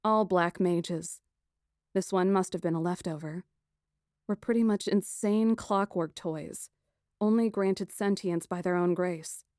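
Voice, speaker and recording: A woman reads fiction as an audiobook narrator. Her voice sits a little low, with expressive, dramatic first-person storytelling. The recording is dry and close. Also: a little slow, no room sound.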